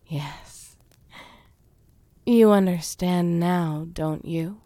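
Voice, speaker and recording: Woman as a fae queen, domineering, seductive, breathy whispers, slightly low voice, dry close sound. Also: mellow, no room sound. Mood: seductive, menacing. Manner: slow, breathy whispering, commanding. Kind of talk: audio roleplay.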